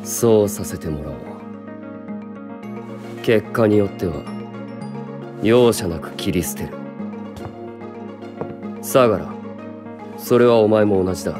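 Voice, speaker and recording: A man's voice: on the low side, expressive, slow, pauses often, music in the background. An actor playing a stern, arrogant young male producer in a voice drama, speaking coldly and curtly. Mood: cold, distrustful. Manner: cold, curt, commanding. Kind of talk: anime-style voice drama acting.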